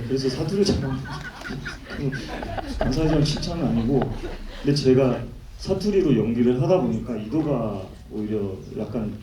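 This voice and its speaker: Dark-voiced actor. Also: male voice, medium pitch, slight background noise. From Busan, South Korea. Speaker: actor at a film Q&A. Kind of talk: answering audience questions. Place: cinema hall at a screening. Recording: echoey cinema hall from far off.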